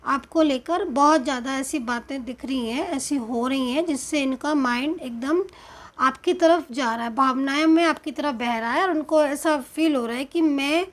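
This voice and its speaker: A woman with a high, light voice and an Indian accent talks through a tarot reading. She speaks slowly and hesitantly, filling pauses with small sounds as she works out each card. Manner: slow, hesitant, explanatory, with many fillers.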